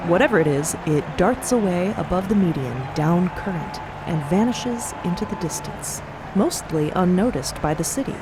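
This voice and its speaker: A woman's voice: fairly low pitch, background noise. A woman narrating a scripted dramatic story, with wry, conversational asides. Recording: loud music under the voice. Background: loud music bed.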